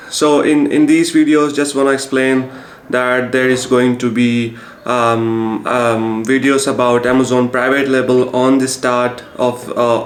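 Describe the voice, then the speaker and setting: A man with a Pakistani accent talks casually to the camera as a video host, in a halting way with repeated words. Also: medium pitch. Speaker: YouTube host and Amazon business instructor. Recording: echoey room with faint noise.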